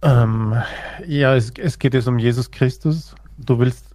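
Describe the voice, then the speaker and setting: A man's voice: mid-range voice, a little slow, darkish tone, no room sound. A man co-hosting a casual comedy podcast, playful and a little defensive, often stumbling over his words. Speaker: podcast co-host.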